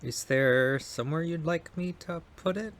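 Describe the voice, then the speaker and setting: A man's voice: fairly high pitch, normal speed, a bit bright, lightly acted. A man playing a shy, polite and kind young male neighbor in an intimate ASMR roleplay, speaking hesitantly and apologetically, with stammers. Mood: grateful, shy.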